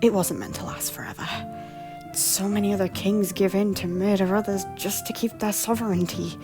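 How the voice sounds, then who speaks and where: An anxious deposed queen, played by a woman in an audio drama, speaking over prominent music. Her voice is breathy and slips towards whispers, with a hesitant, wistful formality that carries wounded pride and guilt. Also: mid-range voice, steady tone, normal speed, natural voice. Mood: weary, wistful. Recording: music under the voice.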